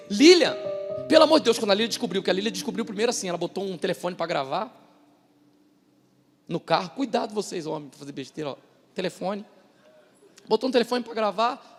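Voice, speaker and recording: A man with a high voice tells his testimony from a church stage, emphatic and confessional. He swings from loud bursts to hushed asides. His voice rings through a reverberant hall as music plays behind him. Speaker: church member giving testimony. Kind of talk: preached testimony.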